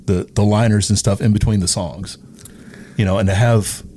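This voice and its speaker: A man's voice: lowish voice, fairly even intonation, moderate pace, warm tone. A middle-aged man from East Texas chatting casually as an interview guest, repeating words as he thinks his way through memories. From East Texas, United States. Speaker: interview guest, radio personality. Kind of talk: casual chat, reminiscing. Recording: noticeable background noise.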